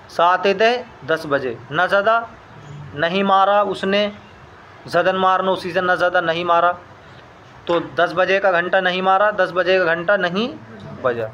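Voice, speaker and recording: A man's voice: sits high, pushed and bright, muffled recording, a little hiss or hum. A man teaching a language lesson, saying each phrase, repeating it, and translating it word by word in a patient, methodical way.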